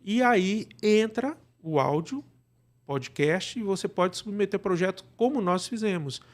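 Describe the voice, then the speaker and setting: A Brazilian man speaking as an interview guest, explaining things casually and haltingly, often checking that he is followed. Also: high voice. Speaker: podcast guest, radio drama producer.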